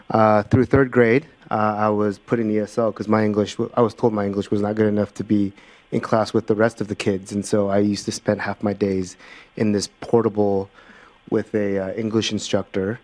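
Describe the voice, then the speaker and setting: Low-voiced man chairing a meeting. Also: darkish tone. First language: Korean. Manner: dry, self-deprecating humor. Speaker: commission president chairing a public meeting. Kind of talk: formal meeting chairing with jokes. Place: public meeting chamber.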